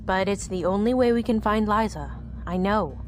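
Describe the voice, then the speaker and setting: An actress playing a worried, guarded confidante in a naturalistic audio drama, speaking in a subdued, earnest way. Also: female voice, medium pitch, moderate pace, faint music behind, close to an everyday voice.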